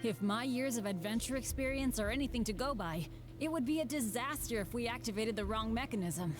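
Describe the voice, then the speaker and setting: A woman's voice: a little high, expressive, brisk, over music, lightly acted. A woman playing a cheerful, confident young female adventurer in a video game, speaking expressively and thoughtfully. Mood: thoughtful, cautious. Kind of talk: scripted video game voice acting.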